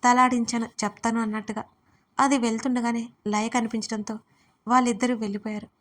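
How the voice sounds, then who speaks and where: A woman's voice: fairly high pitch, brisk. A young woman narrating a first-person audio story expressively. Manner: expressive, pleading in dialogue.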